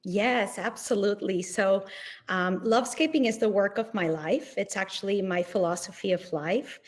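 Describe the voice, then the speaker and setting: A woman speaks as a podcast guest, telling a personal story in an earnest, measured way. Her voice sits at a middle pitch for a woman. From Venezuela. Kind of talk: interview storytelling.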